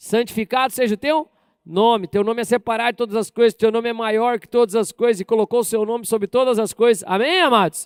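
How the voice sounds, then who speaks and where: A man with a high pitch talks at a very fast pace, recorded very cleanly against a silent background with a dry, close sound and no echo. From Brazil, Maringá (Paraná). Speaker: pastor. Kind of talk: sermon.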